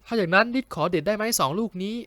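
A man voicing a bashful, feisty young male university freshman, with high squealing protests. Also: very fast, fairly bright tone, no echo, clean studio sound. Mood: cheerful.

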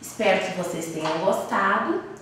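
A Brazilian primary school teacher, a woman, slowly explaining a lesson for young children and sounding out syllables. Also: lowish voice, a bit bright, a little hiss or hum. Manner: slow, patient, sounds out syllables. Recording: echoey room, voice from a distance.

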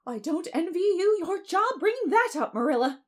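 Outspoken middle-aged village matron, performed by a female narrator: high, animated, self-important, critical, storybook style. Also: a little fast. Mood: horrified, indignant. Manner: emphatic, blunt, indignant.

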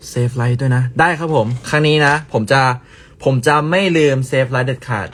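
A man's voice: mid-range voice, steady tone, normal speed. A young man chatting casually with viewers on a phone livestream, playful and repetitive, dropping in bits of other languages. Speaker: livestream host. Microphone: phone held close.

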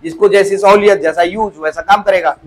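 A man's voice: high voice, fairly even intonation, a little fast. A male polytechnic teacher giving a classroom lecture, repeating key words back to his students as questions. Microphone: clip-on mic at the waist.

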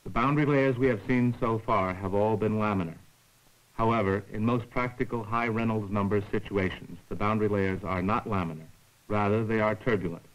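A man with a fairly low voice narrates an educational science film. His delivery is scripted, formal and measured, explaining each point in the orderly way of a lecturer. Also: fairly even intonation, low-quality recording.

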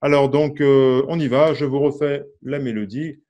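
A man's voice: medium pitch, steady tone, normal speed, mellow, muffled recording. A man teaching a casual online music lesson, chatty and full of fillers, counting and singing out syllables over an instrument.

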